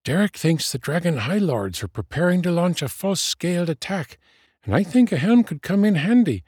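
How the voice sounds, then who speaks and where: A man's voice: high-pitched, very animated, normal speed, a little mellow, husky, dry recording, studio quality, voice pushed up, heavily acted. A man voicing a small, chatty male kender in a fantasy story, earnest, eager and oblivious.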